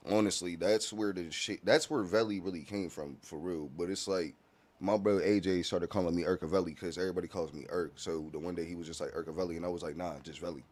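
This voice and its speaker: A very low-voiced man chatting as a podcast guest about his music. His talk is loose and slang-filled, and he keeps checking in with his listener. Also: fairly even intonation, fast, darkish tone. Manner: laid-back, slang-heavy, often asks "you feel me". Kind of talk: casual podcast conversation.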